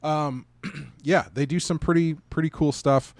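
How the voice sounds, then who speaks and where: A man's voice: a little high, steady tone, gravelly, no room sound. Dry-sounding man in casual podcast chat. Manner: informal, halting, searching for words. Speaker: podcast co-host.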